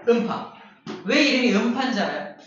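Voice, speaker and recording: A man teaching a classroom lesson, playful and animated, acting out voices as examples. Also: extremely high pitch, brisk. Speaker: middle school science teacher. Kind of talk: classroom lecture. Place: echoey classroom. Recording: dull, echoey from far off.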